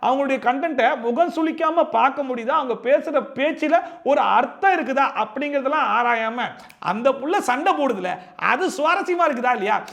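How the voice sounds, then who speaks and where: Male show reviewer, very high voice, rapid sarcastic delivery, rhetorical questions. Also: fairly bright tone. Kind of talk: fast opinionated commentary.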